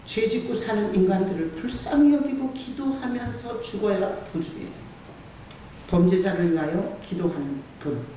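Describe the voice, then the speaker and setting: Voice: medium pitch, normal speed, mellow. Pastor preaching hard in a big echoey church, mic way off, keeps asking the crowd questions. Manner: emphatic, asks the congregation rhetorical questions. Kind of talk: sermon. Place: church sanctuary. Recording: very echoey church hall, far from the mic, faint hiss.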